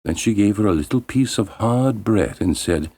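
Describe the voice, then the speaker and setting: A man narrating a bedtime fairy tale as a storyteller, in a measured, expressive and deliberate way. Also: lowish voice.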